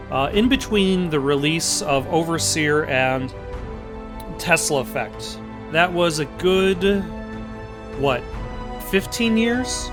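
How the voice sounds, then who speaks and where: A man hosting a let's play with casual, improvised commentary, thinking aloud in a halting way. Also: fairly high pitch. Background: music.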